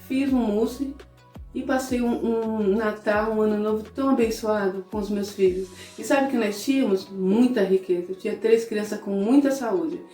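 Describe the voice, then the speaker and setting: A woman's voice: medium pitch, a little mellow, roomy sound, distant mic. A woman preaching a devotional sermon, earnest and full of rhetorical questions.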